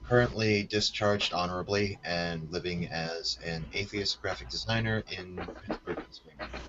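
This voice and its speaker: A man from Chicago, a podcast panelist, who introduces himself hesitantly with many pauses. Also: deep voice, steady tone, lo-fi sound, background noise. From Chicago, Illinois. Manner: hesitant, lots of uh.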